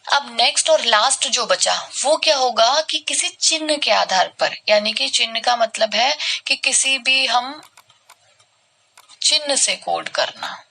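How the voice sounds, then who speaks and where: Bright, gravelly-voiced woman teaching. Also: fairly high pitch, expressive, a little slow. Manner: explains step by step, checks in with "ठीक है"; mixes English terms into Hindi. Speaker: reasoning teacher for exam prep. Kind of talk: online exam-prep lesson.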